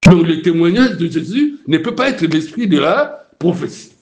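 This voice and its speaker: Un homme à l'congolais qui prêche un sermon et demande souvent à l'assemblée si c'est clair. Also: male voice, a little high, sing-song, moderate pace, a little mellow. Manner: preaching in Lingala mixed with French, asking the crowd if it is clear. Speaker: preacher.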